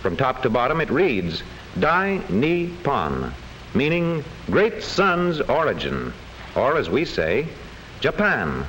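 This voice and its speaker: Animated American vintage classroom film narrator, male. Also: mid-range voice, slow. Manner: formal, precise, storytelling delivery. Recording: faintly noisy old film soundtrack.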